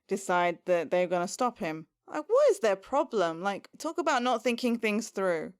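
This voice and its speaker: A woman with a smooth, mid-range voice co-hosts a podcast, recapping a TV episode in relaxed conversation at a normal speed. She's animated and sarcastic and laughs often.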